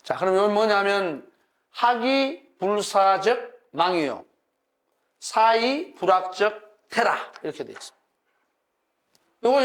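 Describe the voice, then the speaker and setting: An older man in his sixties lectures a class in a folksy, animated way. His voice sits high for a man. He keeps checking in with his listeners and chuckles as he explains. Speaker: university professor lecturing on classics.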